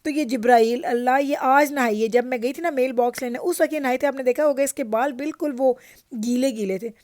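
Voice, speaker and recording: A woman's voice: sits high, brisk, darkish tone, dry recording, clean studio sound. A middle-aged woman with a Pakistani Urdu accent, chatting through a home vlog and telling stories with frequent laughter. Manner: chatty and storytelling, laughs often. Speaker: vlogger. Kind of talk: casual vlog narration. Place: home in Canada.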